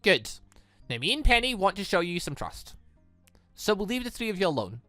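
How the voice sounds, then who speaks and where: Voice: medium pitch, big pitch swings, a little fast, sharp tone, no echo. A gaming YouTuber reading out the part of a guarded, bossy young woman in a visual novel who speaks bluntly, with music behind. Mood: stern, bossy.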